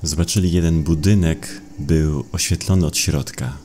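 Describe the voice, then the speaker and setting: A man narrating a dramatised horror story in a gravelly voice, slow and brooding in his delivery. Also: extremely low pitch, steady tone, mellow, slight background noise. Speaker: audiobook narrator. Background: atmospheric sound effects.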